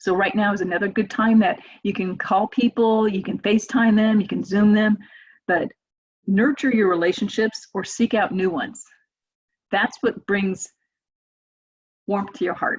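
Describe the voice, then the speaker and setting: A woman with a somewhat breathy, fairly high voice and ordinary pitch variation speaks with long, frequent pauses against a quiet background. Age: 50s. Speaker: wellness coach. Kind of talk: webinar talk. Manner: fast; animated.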